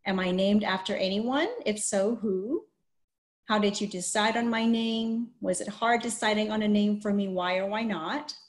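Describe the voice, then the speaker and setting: A woman's voice: mid-range voice, steady tone, normal speed. A middle-aged woman hosting a read-aloud and interview over a video call. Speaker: host interviewing an author. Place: small indoor room, video call. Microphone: computer mic on a video call. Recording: roomy, echoey video call.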